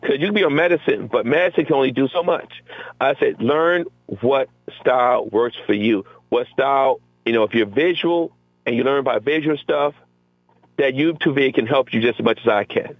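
Here a middle-aged man, a teacher being interviewed, talks with energy and performs the back-and-forth between himself and his students. He has a medium pitch and speaks at normal speed. It comes over a tinny phone line, dry with no room sound.

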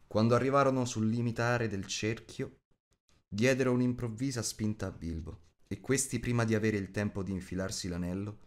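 A man narrates an audiobook in a fairly low voice. His delivery is scripted storytelling, read aloud. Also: steady tone, moderate pace.

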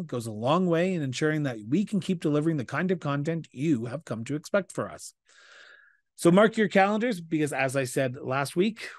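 Podcast host, 40s, from Canada, slightly higher voice, dead-dry studio sound, earnest sign-off energy. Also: male voice, dry recording. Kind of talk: podcast interview and outro. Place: small studio indoors. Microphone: studio mic on stand with headphones.

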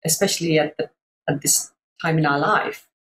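A middle-aged woman from Sri Lanka, a coach speaking on a video call from home, thoughtful and searching for her words with many pauses and fillers. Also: low voice, a bit bright. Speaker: master coach, panel guest. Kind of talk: reflective panel discussion. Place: room at home.

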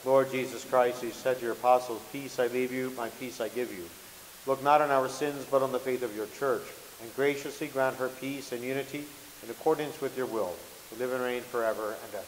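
A man, a Catholic priest, reciting liturgical prayers in a solemn, measured way. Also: medium pitch, fairly even intonation. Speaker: Catholic priest celebrating Mass. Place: large church sanctuary at the altar. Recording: echoey church, long reverb, hiss.

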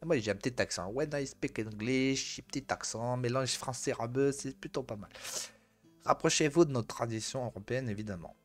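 A man's voice: medium pitch, brisk, faint music behind. A man reading an article aloud as host, breaking off to joke at the guest.

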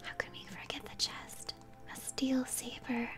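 A young woman whispering gently as she hosts an ASMR let's-play, commenting on a game. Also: sits high, fairly even intonation, measured pace, soft background music. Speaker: host, gamer. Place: small room at home, indoors.

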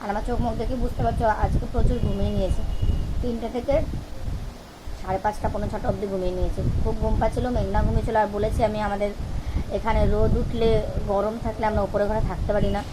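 A woman's voice: medium pitch, steady tone, quick pace. A woman in her thirties chatting casually through her day as a vlogger and mother, rambling through everyday details. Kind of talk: casual daily vlog narration. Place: home, later outdoors on a night street. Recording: noisy phone recording with street sounds.

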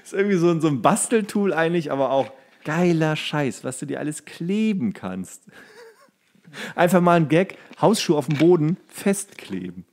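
A man's voice: on the high side, sing-song, moderate pace, darkish tone. A man co-hosting a podcast, rambling enthusiastically in casual, slangy, comedic chat. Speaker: podcast co-host.

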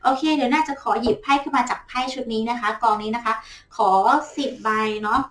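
A woman's voice: on the high side, brisk, recorded from a distance. Chatty tarot reader woman, echoey room. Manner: chatty and frank, with many polite particles. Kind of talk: casual talk to viewers while drawing cards.

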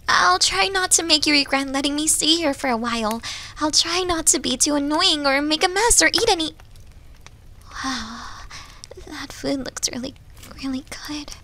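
A woman's voice: high-pitched, pushed and bright, slight background noise, heavily acted. A woman voicing a shy, starving young wolf girl in an ASMR roleplay, hesitant, apologetic and stammering, often slipping toward a whisper. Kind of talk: ASMR roleplay audio drama.

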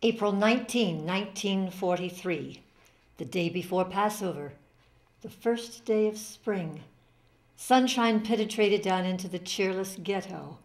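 Older woman reading as steadfast ghetto fighter, medium pitch, grave, deliberate, reflective dramatic reading. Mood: somber, reflective.

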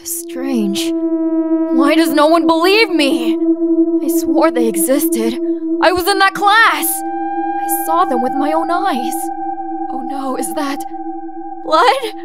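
Distraught, slow-spoken high-voiced girl a woman acting. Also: animated, loud music behind the voice. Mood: uneasy, bewildered. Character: distraught, bewildered young woman in a mystery. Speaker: voice actor. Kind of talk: dramatic character acting.

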